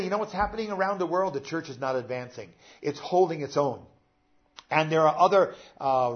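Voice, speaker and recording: An older man, a pastor, preaching a sermon in a conversational way, pausing with "uh" and talking straight to his congregation. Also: a little high, dull audio.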